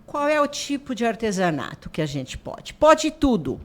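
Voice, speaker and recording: A woman, president of an artisan association, telling animated stories in a radio interview and acting out quoted dialogue. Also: a little high, moderate pace. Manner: animated storyteller who acts out quoted dialogue.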